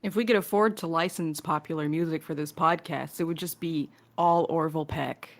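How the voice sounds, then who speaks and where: Low-voiced woman on a podcast Q&A. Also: brisk. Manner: joking, casually sweary. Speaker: podcast host and crew member. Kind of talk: casual podcast Q&A, reading listener questions.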